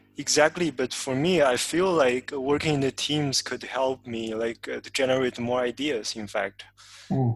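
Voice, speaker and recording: A man speaks at a moderate pace with ordinary pitch variation. The sound is dry and close with no echo, and there is noticeable background noise. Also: medium pitch for a man. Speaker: podcast host. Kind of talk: interview conversation. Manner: halting, stammering.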